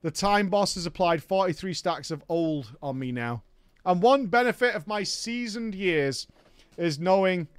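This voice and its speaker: A man's voice: sits high, clear, resonant tone, no echo. A man telling a comic story in a wry, exasperated way. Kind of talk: comedic storytelling narration.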